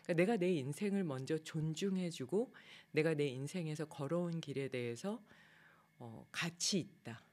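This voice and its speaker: A woman who teaches meditation yoga, giving a casual talk in a soft, low-key way, her phrases trailing off quietly and turning higher and livelier when she acts out her own past complaints. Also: moderate pace. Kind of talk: casual spoken talk on a daily theme.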